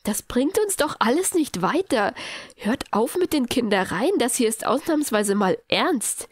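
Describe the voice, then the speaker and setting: A woman's voice: fairly high pitch, sing-song, a little slow, slightly rough, no room sound, clean studio sound, exaggerated voice. A woman voicing a sensible, bossy teenage witch who speaks curtly and scolds. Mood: stern. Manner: curt, scolding.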